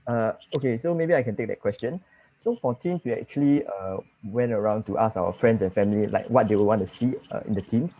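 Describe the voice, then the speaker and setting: A man's voice: lowish voice, brisk, dark tone, no room sound. A young man with a Singaporean accent, earnestly explaining his team's choices to judges over a video call. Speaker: student contestant. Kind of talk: answering judges' questions. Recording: dull dry lo-fi call audio.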